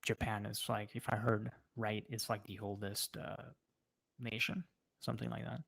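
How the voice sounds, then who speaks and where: A man with a French accent, a native French speaker, chatting casually on a livestream and answering viewers in a halting way, often pausing mid-sentence. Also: lowish voice, level tone, gravelly, fairly bright tone. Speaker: livestream host.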